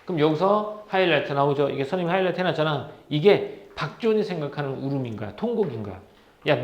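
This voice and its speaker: A man's voice: a little high, a little mellow. A male teacher giving a literature lecture, firing questions at his students and answering them himself. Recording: roomy, slightly dull lecture recording.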